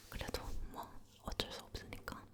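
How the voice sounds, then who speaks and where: A woman leaning in to whisper close to the mic, telling personal stories in a hushed ASMR style, gently repeating words. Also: normal speed. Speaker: ASMR host.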